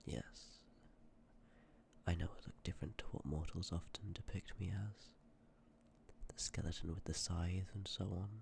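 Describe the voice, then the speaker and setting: A man playing a sympathetic, courteous Death in an ASMR roleplay, speaking with measured, formal politeness and often dropping toward a breathy whisper. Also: low-pitched, steady tone, a little mellow, a little hiss or hum. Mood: gentle, solemn. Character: sympathetic, courteous personification of Death, calm and ancient. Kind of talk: ASMR roleplay, scripted acting addressed to listener.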